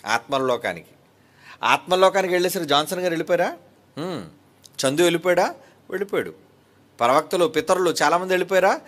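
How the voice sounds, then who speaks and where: Telugu preacher man with a higher voice. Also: expressive, fast talker, long pauses, fairly bright tone. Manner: asks the audience questions and repeats phrases for emphasis. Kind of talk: Bible teaching sermon.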